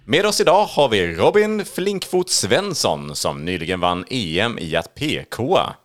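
A man playing a formal host of a studio show, slow and deliberate in a mock-serious way. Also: fairly low pitch, sing-song, a bit bright.

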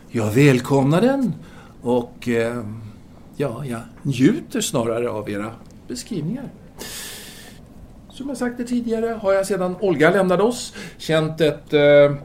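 Actor as a high-pitched, lively philosophizing intellectual man. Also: slight background noise. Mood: coaxing, nostalgic. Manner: deliberate, philosophizing, formal. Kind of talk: audio drama acting, formal literary dialogue.

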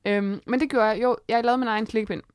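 High-voiced young woman, dry close sound. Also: steady tone, smooth, no room sound. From Denmark, Esbjerg area. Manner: laughs often, teasing and blunt. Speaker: podcast co-host. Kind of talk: casual podcast chat.

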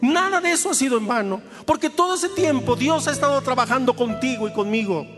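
Male pastor, high-pitched, earnest and fervent sermon delivery, long church-hall reverb. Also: animated, a little fast, music in the background. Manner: earnest, heartfelt testimony building to fervent exhortation. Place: church sanctuary.

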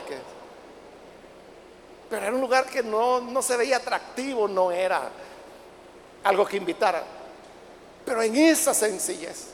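Older pastor preaching, high gravelly voice. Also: male voice, big-room sound, slight background noise. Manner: storytelling, rising to emotional shouts. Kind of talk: sermon.

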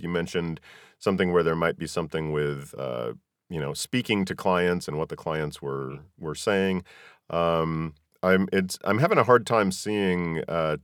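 A man with a deep voice hosts a casual interview podcast. He feels his way into questions with tentative, roundabout phrasing. The sound is close and dry, with no room on it. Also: dry recording.

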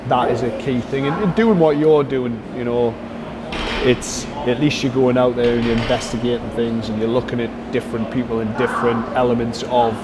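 A man explains his coaching approach in a conversational interview style, often circling back on his phrases. His pitch is mid-range and stays fairly flat. Steady background noise sits behind the voice. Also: a little fast. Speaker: performance coach being interviewed.

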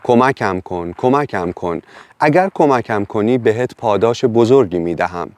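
A man voicing a wise wolf from another time in a storybook reading, speaking low and slow. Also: expressive, darkish tone, no room sound, natural voice. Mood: pleading.

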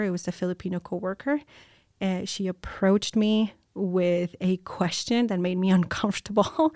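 A woman's voice: medium pitch, creaky, darkish tone, no echo, clean studio sound. An American woman, a nurse, telling her personal story as an interview guest, reflective and candid, with many ums and restarts. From United States.

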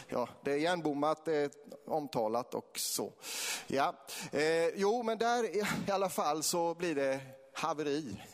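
A man's voice: on the high side, big-room sound. A man from Småland giving a church sermon with a Småland accent, telling personal stories with laughter and rising to fervent preaching. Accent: Småland Swedish.

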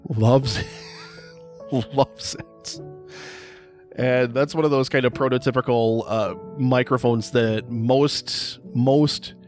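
A middle-aged man with a loud, projecting voice, hosting a podcast and telling a rambling personal story in a casual, chatty way. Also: medium pitch, steady tone, slow pace, faint music behind. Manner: rambling, chatty, repeats words for emphasis. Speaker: podcast host.

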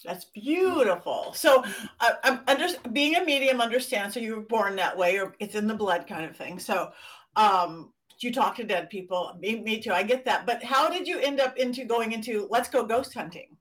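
A woman's voice: a little high, normal speed, a bit bright, recorded from a distance. A woman hosting a talk show, chatty and enthusiastic as she teaches a simple spell and interviews a guest. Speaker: host. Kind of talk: podcast host interview and spell lesson.

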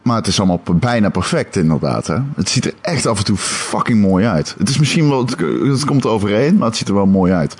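A man co-hosting a game podcast in casual chat, animated with hesitant restarts and casual swearing. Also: fairly low pitch, quick pace, few pauses, husky.

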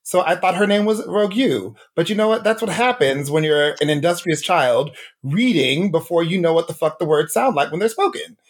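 Male co-host, husky, fairly high voice, exasperated swearing rant. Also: animated, brisk, few pauses. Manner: exasperated, profane ranting. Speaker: podcast co-host. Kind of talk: casual chat.

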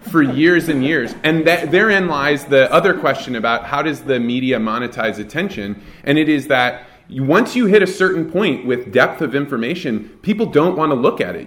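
A man's voice: mid-range voice, a bit bright. A man speaking as a panelist in a public discussion, explaining his points earnestly.

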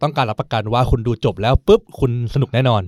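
A young man in his twenties, a guest on a casual podcast interview, talking quickly in a relaxed, casual way. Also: mid-range voice, no room sound, clean studio sound. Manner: fast, relaxed casual talk.

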